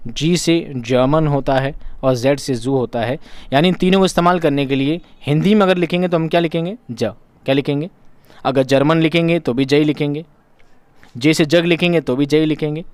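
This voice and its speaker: A guy teaching exam prep, kinda high voice, asks then answers his own questions, dry room. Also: no room sound. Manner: repeats key terms for emphasis.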